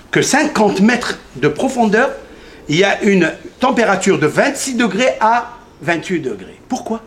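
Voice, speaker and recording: A man giving a Torah lesson in a synagogue, firing questions at his listeners, answering them himself and repeating key numbers emphatically. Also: sits high. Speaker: rabbi teaching a Torah class. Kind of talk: lively Torah lesson to a congregation.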